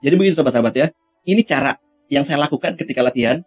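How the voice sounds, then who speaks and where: Speaking at a racing clip with lively intonation and medium pitch, a young man teaches Quran recitation in a friendly, casual way, addressing viewers as friends and slipping into melismatic chant. The sound is phone-quality, with soft music behind him.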